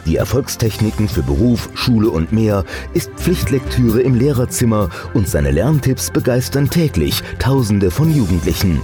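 A man with a low, lively voice reads a scripted introduction in a formal announcer's tone. Clear instrumental music plays behind him.

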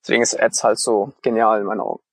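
A man in his thirties with a light Swabian accent talks loosely in a podcast chat, full of fillers. His voice is a little husky and sounds dry and close, with no room around it. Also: fairly low pitch, racing, no echo, low-quality recording. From Stuttgart, Germany. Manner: relaxed, chatty, many fillers. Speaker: podcast co-host, online marketing consultant.

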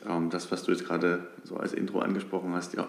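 This company managing director from Dresden, Germany, is in his thirties and answers interview questions as a guest. His voice is low-pitched, fast and gravelly, heard in an echoey room with slight background noise. He is thoughtful, uses many fillers and restarts, and gets lively when animated.

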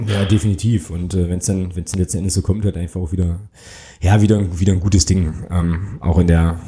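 A man's voice: sits low, little pitch movement, fairly quick, dark tone. A man co-hosting a casual fan podcast, rambling with many fillers and restarts. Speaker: podcast co-host.

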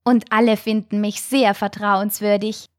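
A woman voicing a gentle little great white shark child, explaining himself earnestly and eagerly. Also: mid-range voice, little pitch movement, unhurried, no echo, clean studio sound, lightly acted.

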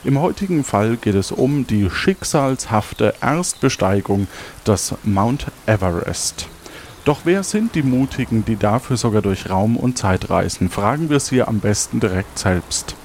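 A man's voice: on the low side, lively intonation, measured pace, darkish tone, slight background noise. A man hosting a podcast game show, upbeat and announcing, now and then slipping on words. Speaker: host and quizmaster.

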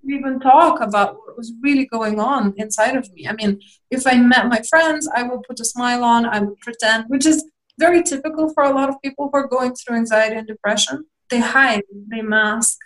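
A woman's voice: a little high, a little fast, low-quality recording. A young woman from Lithuania, a guest in a candid interview, talking reflectively with hesitant restarts and small laughs.

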